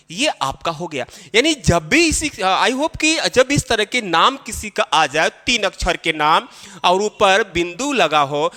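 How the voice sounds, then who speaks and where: A man teaching a spelling lesson to young children, explaining slowly and repeating himself. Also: sits high, sharp tone, long reverb tail. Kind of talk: classroom-style spelling lesson.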